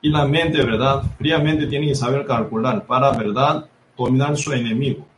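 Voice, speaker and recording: A man preaching a sermon in language Bible teaching style, halting and repetitive, tagging nearly every phrase with a soft "¿verdad?". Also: mid-range voice. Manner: constant tag question "¿verdad?" dropping soft after each phrase. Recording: echoey room with faint ambient noise.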